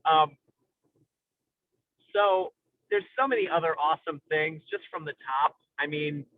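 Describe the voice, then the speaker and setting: A man in an analytical, conversational film discussion, speaking in an intellectual, halting way with academic vocabulary as he searches for words. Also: fairly high pitch, dry recording. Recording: tinny phone-like radio-style sound.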